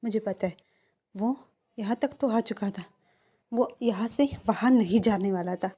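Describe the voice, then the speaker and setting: A woman voicing a stern middle-aged father who gives quiet, firm orders while reading a fan fiction story. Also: mid-range voice, measured pace, breathy edge.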